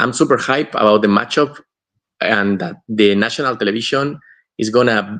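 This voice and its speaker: Over a quiet background, a man with a Spanish accent talks at a moderate pace, his medium pitch showing ordinary variation. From Mexico. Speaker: caller. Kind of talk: call-in. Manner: halting.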